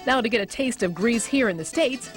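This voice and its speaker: A woman's voice: fairly high pitch, animated, brisk. A woman host delivering scripted narration for a TV show in a polished, upbeat way. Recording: music bed under the voice.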